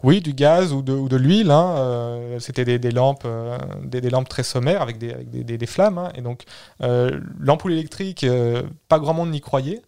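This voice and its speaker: A man at an ordinary middle pitch tells history in easygoing conversation. He explains at length and often doubles back on his words while he thinks. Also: normal speed, vocal fry, warm tone, smooth. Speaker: podcast co-host telling history. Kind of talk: casual history chat.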